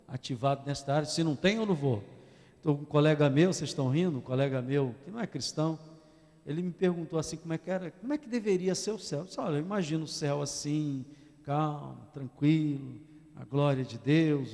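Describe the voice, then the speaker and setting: A man's voice: on the high side, vocal fry, mellow. A man preaching a sermon as pastor, joking with the congregation and leading call-and-response. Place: church hall. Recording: long church-hall reverb.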